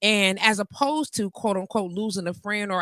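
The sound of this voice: A woman's medium-pitched voice, bright and sharp in tone, with a dry, close sound and no echo.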